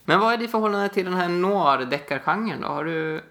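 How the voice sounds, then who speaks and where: Chatty young man with a gravelly voice. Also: high voice, animated, sharp tone. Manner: chatty, frequent restarts and fillers. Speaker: podcast co-host. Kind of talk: casual chat. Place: living room.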